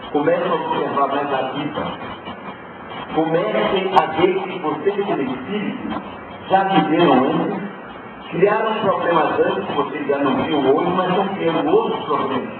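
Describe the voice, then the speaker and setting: A man's voice: fairly high pitch, very noisy. A man teaching a class, talking in a provocative, emphatic way and throwing rhetorical questions at his students. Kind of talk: spiritual lecture to a class. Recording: distant, phone-like, echoey hall recording with loud ambience.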